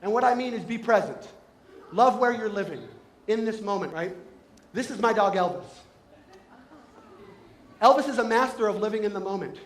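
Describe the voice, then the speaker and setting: A man giving a humorous motivational talk to a live audience, playful and quick to slip into exaggerated comic voices. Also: high voice. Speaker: motivational speaker. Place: event hall with live audience. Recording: echoey hall with audience.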